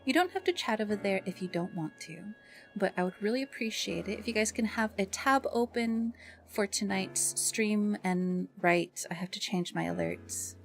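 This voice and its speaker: A woman with a gravelly mid-range voice hosts a livestream, speaking at a moderate pace into a streaming mic. Her talk is casual and chatty, laced with self-deprecating grumbling, and soft music plays in the background.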